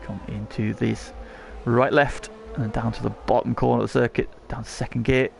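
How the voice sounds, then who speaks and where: Male motorsport commentator, gravelly voice, race play-by-play, short present-tense calls, faint engine noise behind. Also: medium pitch, flat delivery, normal speed. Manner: narrates action in short present-tense phrases.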